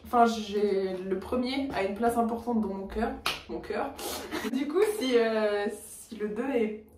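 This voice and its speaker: A young woman chatting casually as a guest, lively and quick to laugh. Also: a little high. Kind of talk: casual chat. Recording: echoey room, distant mic, noise.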